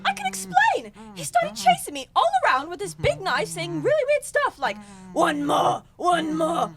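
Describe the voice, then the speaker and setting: A woman's voice: extremely high pitch, wildly swooping pitch, moderate pace, a crowd in the background, exaggerated voice. A woman playing a comically evil, child-eating witch in a radio play, theatrical and easily flustered. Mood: indignant. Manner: theatrical cackling, flustered asides. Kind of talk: comedic audio drama acting.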